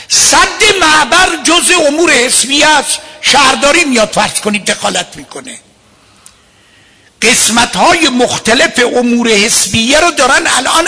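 A man giving a religious lecture as a cleric, emphatic and at times rising to a shout. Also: extremely high pitch.

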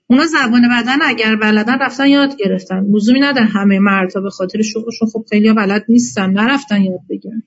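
A woman's voice: fairly high pitch, steady tone, lo-fi sound. A woman giving a lecture on marriage as an instructor, speaking directly to her listeners with advice. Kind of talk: lecture to a class.

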